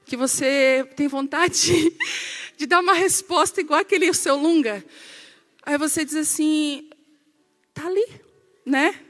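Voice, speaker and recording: A woman pastor tells stories from the pulpit in an animated way and acts out the lines of other people. Her voice sits high, and the long reverb of a large hall trails after each phrase. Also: a little slow, faint music behind. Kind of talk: humorous sermon storytelling.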